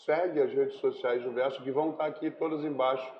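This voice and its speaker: A man's voice: mid-range voice, fairly even intonation, a little fast. A man, a chef and podcast co-host, chatting casually with wisecracks. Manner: wisecracking interjections. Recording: roomy, muffled room, faint noise.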